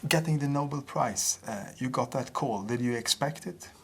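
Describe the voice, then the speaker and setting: Male interviewer, mid pitch, brief prompts and quick questions. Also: creaky, a bit bright, breathy edge.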